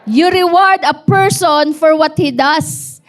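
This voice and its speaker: A woman pastor with a Filipino accent delivers a sermon, shifting between Tagalog and English. Her voice sits very high, and she tells stories with lively call-and-response to the congregation. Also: slow. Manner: animated storytelling with call-and-response.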